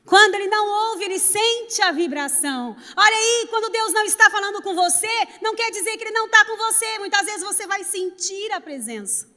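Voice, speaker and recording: Woman pastor, animated preacher, sharp high voice in a reverberant church. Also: fairly quick, hardly any pauses. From Brazil. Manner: animated storytelling preacher, addresses congregation directly. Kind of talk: sermon. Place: church sanctuary. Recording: long reverb of a church hall.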